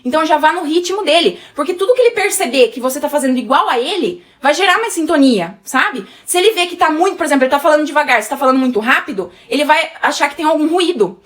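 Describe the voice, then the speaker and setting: A woman's voice: high-pitched, lively intonation, fast, hardly any pauses, fairly bright tone. A woman with a Brazilian Portuguese accent giving a casual sales lesson, chatty and full of fillers, often addressing the viewers directly. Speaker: sales trainer. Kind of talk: casual teaching talk.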